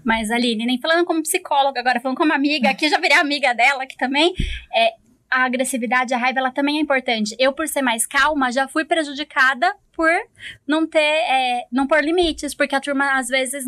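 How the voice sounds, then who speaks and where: A Brazilian woman psychologist speaking calmly on a podcast, explaining ideas and acting out quoted dialogue. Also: high-pitched, a little fast, no echo. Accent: Brazilian Portuguese. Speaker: psychologist guest. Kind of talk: casual podcast conversation.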